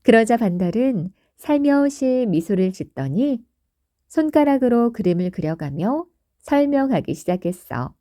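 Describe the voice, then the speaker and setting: Female bedtime-story narrator: soothing, very slow, deep mellow tone, close and dry. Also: very animated, no room sound. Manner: soft, soothing, lilting.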